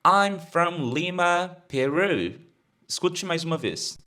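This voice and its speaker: A Brazilian man with a Brazilian Portuguese accent who teaches English, repeating phrases slowly for learners to copy. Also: a little high, animated, bright, forceful tone. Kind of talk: explaining an English lesson.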